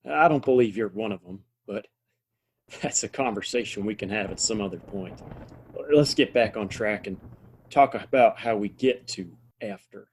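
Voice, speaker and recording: A man playing a gruff, plain-spoken frontier man in a western audio play, with steady, folksy phrasing. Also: lowish voice, moderate pace. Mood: earnest, reassuring.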